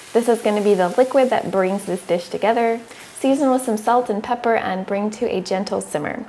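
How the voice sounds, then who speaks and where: A woman in her thirties, a cooking channel host, giving upbeat, clear step-by-step recipe instructions, partly as voice-over in a home kitchen. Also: on the high side, darkish tone, slight background noise.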